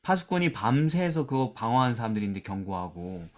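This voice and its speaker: A man's voice: very animated, fairly quick. Man leading a scripture discussion. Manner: asks questions and drops to a soft low voice at phrase ends; reads scripture aloud with emphasis. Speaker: Bible study discussion leader. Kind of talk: church lesson discussion.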